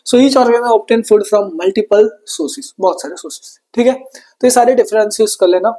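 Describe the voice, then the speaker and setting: A man's voice: very high-pitched, measured pace, mellow. A man teaching a science lesson in a chatty, repetitive way, calling his students brother and mixing in English with an Indian accent. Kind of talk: online exam-prep lesson.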